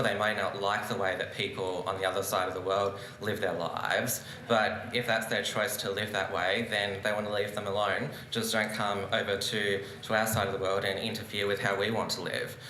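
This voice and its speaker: In a big conference room full of seated listeners, a young man gives an earnest, argumentative debate speech, gesturing as he speaks. His voice is on the low side, bright and forceful, picked up by a lectern mic on a stand with roomy hall echo and slight background noise.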